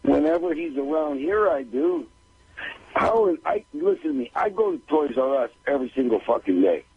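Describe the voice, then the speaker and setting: A man with a very hoarse-edged, creaky voice speaks over a dull, dry call-in line. He argues casually and emphatically, repeating himself for effect. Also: a little high, very animated, moderate pace, dry recording. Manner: emphatic, repetitive, profane. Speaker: call-in guest and manager. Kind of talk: casual argumentative chat.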